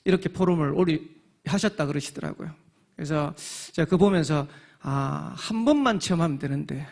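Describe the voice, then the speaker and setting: A man's voice: on the high side, normal speed, vocal fry, darkish tone. A man emceeing a church event, rousing the crowd and calling for applause.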